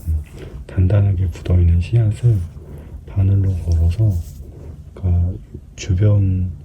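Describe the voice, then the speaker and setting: Very low-voiced man over clear noise. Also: steady tone, measured pace, phone-quality sound. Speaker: skin clinic practitioner narrating an extraction procedure. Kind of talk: casual explanatory procedure commentary. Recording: clearly noisy room recording.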